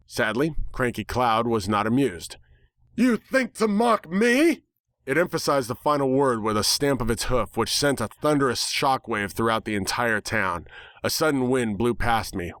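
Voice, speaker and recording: A man reading a first-person story as narrator in a wry, deadpan manner. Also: lowish voice, smooth, no room sound. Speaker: narrator, dramatic reader.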